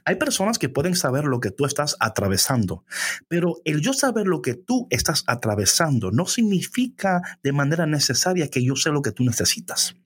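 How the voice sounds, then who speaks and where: A man speaks on a faith podcast in a preacherly, expressive manner. His voice is slightly husky and moves lively up and down in pitch. He switches into English phrases now and then. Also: fairly quick. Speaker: podcast co-host.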